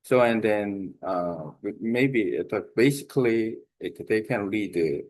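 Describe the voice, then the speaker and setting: A man with a Korean accent, a native Korean speaker, giving an informal spoken lesson on language learning, halting with many fillers and restarts. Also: fairly low pitch, darkish tone. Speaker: language exchange host.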